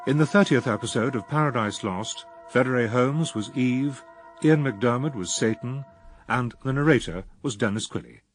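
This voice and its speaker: A man's voice: mid-range voice, moderate pace. A man reading scripted programme credits as a radio announcer. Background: faint music.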